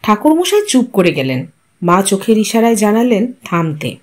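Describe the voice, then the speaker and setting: Woman storyteller, audiobook narration, lively intonation, measured. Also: medium pitch. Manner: expressive, measured.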